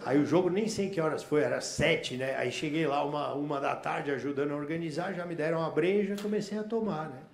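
A man's voice: on the high side, fairly quick, creaky, few pauses. A Brazilian man doing stand-up, telling a story with slang and curses and acting out the dialogue in other voices. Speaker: stand-up comedian. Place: comedy stage before a laughing audience. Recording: echoey live room, audience noise.

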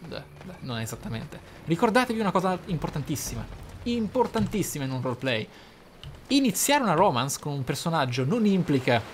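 A man commentating on his role-playing game playthrough, musing aloud theatrically with pauses for emphasis. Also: a little high, a little hiss or hum. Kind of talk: let's play commentary.

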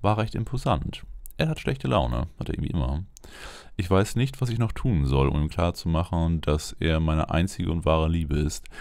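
Man acting as anxious wife and mother, diary reading, very deep, dry sound, earnest. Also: moderate pace, darkish tone, dry recording. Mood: uneasy. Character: worried wife and mother writing her holiday diary.

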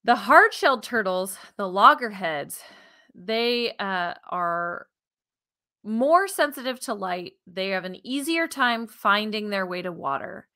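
An American woman in her thirties co-hosting a science podcast, explaining things conversationally in an animated way. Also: medium pitch, slow pace. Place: living room at home, indoors. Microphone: headset on a video call.

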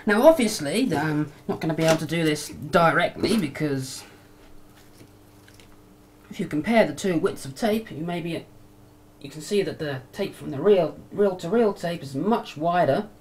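Low-voiced woman over noticeable hiss. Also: lively intonation, moderate pace, a little mellow. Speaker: hobbyist video maker, demonstrator. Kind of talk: casual hands-on demonstration commentary. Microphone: camcorder microphone near the bench. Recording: noisy amateur camcorder sound.

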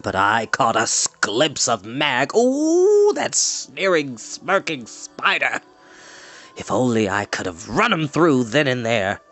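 A performer voicing an excitable, indignant male bard in a storybook, speaking in a theatrical, exclamatory way. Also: mid-range voice, unhurried, hardly any pauses, faint music behind, pitched below the performer's own voice. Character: excitable, dramatic wandering bard, a man, indignant and anxious.

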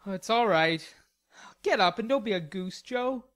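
A woman's voice: medium pitch, animated, moderate pace, a bit bright, close to an everyday voice. A woman voicing an indignant, stubborn teenage boy in a storybook, petulant and blustering. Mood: cavalier. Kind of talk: storybook character dialogue.

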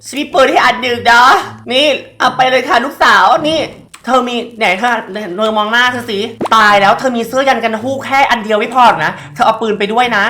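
A woman's voice: a little high, steady tone, fast talker, hardly any pauses, sharp tone, a little hiss or hum. A woman hosting a game let's play, chatting politely and shrieking now and then. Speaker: gaming host.

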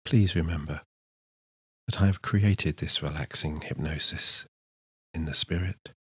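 A man narrating a scripted sleep hypnosis session in a soothing, measured manner with unhurried pauses. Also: very deep voice, husky, no echo. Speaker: hypnotist, guided meditation narrator.

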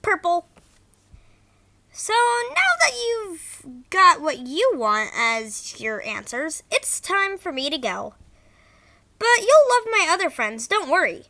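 A woman voicing an upbeat, quirky cartoon cat boy in a squeaky voice, with stumbling, bad amateur acting. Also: big pitch swings, takes it slowly, sharp tone, exaggerated voice. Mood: perky, theatrical.

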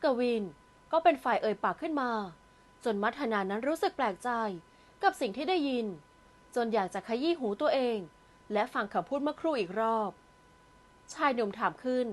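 Woman, audio novel narrator, steady storytelling, fairly high voice. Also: moderate pace.

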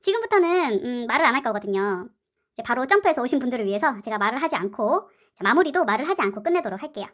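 Speaking at a quick pace in a slightly high, very animated voice, a woman hosts a casual slime and clay craft tutorial. She chats playfully while working, throwing in cute sound words.

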